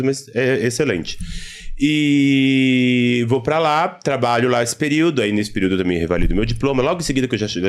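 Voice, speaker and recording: A man with a Brazilian accent casually telling his own story as a podcast guest. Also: lowish voice.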